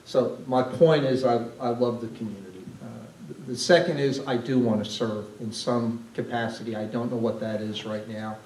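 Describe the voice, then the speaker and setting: An older man, a retired downtown development president, speaking on a panel in a library event room, halting with many restarts and repeated words. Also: medium pitch, steady tone, a little mellow. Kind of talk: panel discussion answering questions. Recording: roomy, distant mic, faint hiss.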